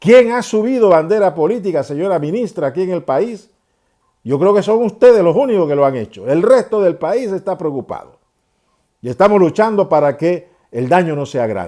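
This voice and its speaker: A man with a high pitch and a dark, mellow tone talks at a moderate pace. His pitch swings very widely. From Panama. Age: 70s. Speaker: retired dentist, social commentator. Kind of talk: opinion monologue addressed to authorities. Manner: indignant, emphatic.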